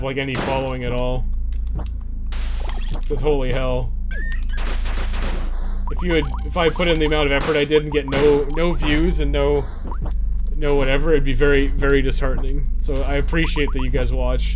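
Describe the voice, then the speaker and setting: A man chatting casually as he streams a game, rambling and swearing freely as he goes. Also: fairly high pitch. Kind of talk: casual livestream chat while playing.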